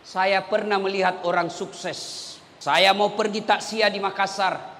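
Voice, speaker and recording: A man's voice: high voice, little pitch movement, unhurried, a bit bright, big-room sound, slight background noise. A man preaching a sermon with emphatic, repeated oaths, acting out short dialogues as he goes.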